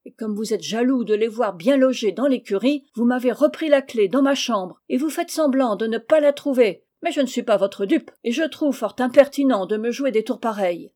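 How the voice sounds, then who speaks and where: A woman reading as a hot-tempered, earnest young gentleman with formal, emphatic speech in a storybook. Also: mid-range voice, steady tone, normal speed, close to an everyday voice. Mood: angry, accusing. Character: proud, hot-tempered but repentant young gentleman farmer.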